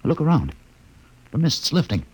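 An actor playing a cynical, brooding scientist on a space expedition, speaking in a wry, philosophical way in 1950s radio drama style. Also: male voice, a little high, wildly swooping pitch, moderate pace, darkish tone, breathy edge, full character voice, poor audio. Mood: curious, amused. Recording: vintage 1950 radio broadcast.

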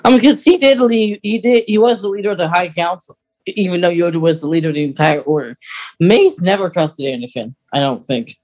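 Casual podcast co-host with a mid-pitched voice. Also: fairly quick, darkish tone. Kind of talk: casual fan discussion.

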